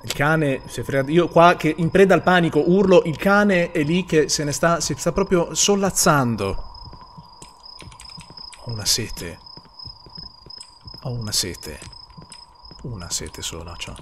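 A man's voice: a little high, animated, unhurried, pauses often, slight background noise. A young man streams a horror game, jittery and swearing as he talks to chat. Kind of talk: horror game let's play.

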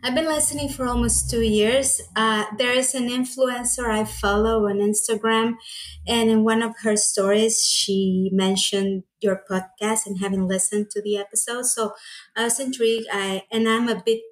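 Soft-spoken Honduran woman, slightly higher voice. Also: steady tone, moderate pace. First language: Spanish. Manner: soft-spoken, a little nervous, laughs lightly. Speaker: interview guest. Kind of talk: casual interview.

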